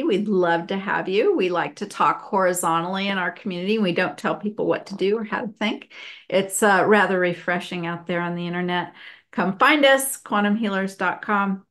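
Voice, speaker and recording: A woman's voice: medium pitch, fairly bright tone. A woman hosting a casual interview over a video call, chatty and enthusiastic, laughing often. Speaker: podcast host.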